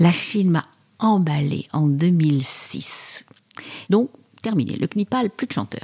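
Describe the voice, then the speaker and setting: Speaking very slowly with long, frequent pauses, a woman has a fairly low pitch and a dark, mellow, somewhat breathy tone. Her pitch swings very widely, in a dry, close sound with no echo. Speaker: concert organizer. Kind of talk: testimony.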